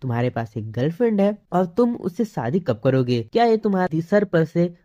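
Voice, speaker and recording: Low, mellow-voiced woman recapping a story. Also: brisk, dull audio. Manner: plain, steady retelling with quoted dialogue. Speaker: anime recap narrator. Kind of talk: storytelling recap, reading out character lines.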